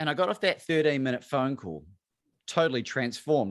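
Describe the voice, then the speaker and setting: A man with an Australian accent at a very fast pace, dry and close with no echo, in a very clean recording with a silent background. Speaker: motivational speaker and coach. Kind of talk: storytelling presentation. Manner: animated.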